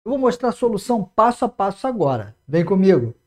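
A Brazilian man in his forties teaches math at a whiteboard, recorded close on a lapel mic. He talks to the viewer with lively little checks like "né?". He slows right down to spell out each step. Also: high voice. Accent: Brazilian Portuguese. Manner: energetic, talks to the viewer with frequent "né?" and "ó". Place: classroom in front of a whiteboard.

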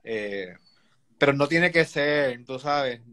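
A man in his forties chatting as a guest on a live video call, speaking in a relaxed, thoughtful way with many fillers. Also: mid-range voice, takes it slowly. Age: 40s. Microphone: phone camera on a video call.

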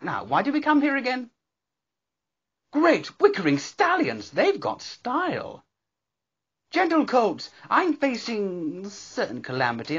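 Performer voicing an animated, eccentric male pony scientist. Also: medium pitch, slightly rough, highs cut off. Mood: puzzled, reflective, then admiring, urgent. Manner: theatrical, exclamatory, wordy and genteel. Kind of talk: character voice reel, theatrical cartoon acting.

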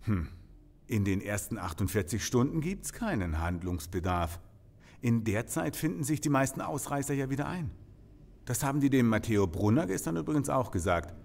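An actor playing a breezy, gossipy police officer with a flippant, colloquial way of talking in an audio drama. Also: male voice, medium pitch, sing-song, moderate pace, vocal fry, darkish tone. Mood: casually explaining.

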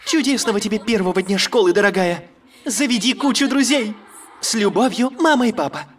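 A man's voice: high voice, lively intonation, a little fast. A man voicing a doting parent in a cartoon dub, reading a note sweetly and tenderly. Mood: affectionate. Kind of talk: dubbed cartoon acting.

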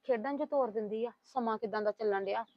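Brief: actress as a complaining housewife, high voice, dull dry audio. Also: female voice, fairly quick, no room sound, natural voice. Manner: complaining, gossiping, soothing. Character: talkative scheming woman, middle-aged housewife. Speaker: housewife in a family drama. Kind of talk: web series acting. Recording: dull lo-fi sound.

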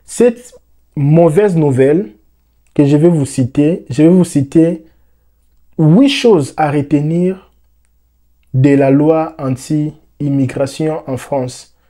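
A young Congolese man explaining the news to the camera, with lots of repeated words and fillers, on a lapel mic in a dark room. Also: fairly high pitch, takes it slowly, pauses often. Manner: animated, repeats words, many "euh" fillers. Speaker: vlogger.

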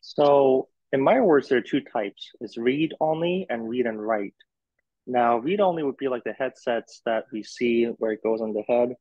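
A man's voice: medium pitch, expressive, normal speed, mellow, no echo. Young man on a dull, dry call. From Korea and New Jersey. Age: 20s. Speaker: interview guest, graduate student. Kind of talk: casual explanatory interview talk. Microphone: video call. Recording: dull, lo-fi video call audio.

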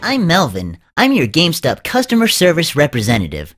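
A man's voice: fairly high pitch, huge pitch swings, brisk, a bit bright, faint music behind, pitched above the performer's own voice. A man voicing a nerdy, boastful video game store clerk in a character commercial, eager and bragging.

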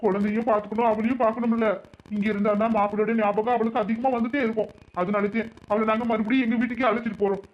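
A man's voice: high voice, little pitch movement, very fast, close to an everyday voice. A man voicing a practical young brother with a southern Tamil Nadu accent, explaining firmly. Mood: reasoning. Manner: explaining, reasoning. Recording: dull lo-fi sound.

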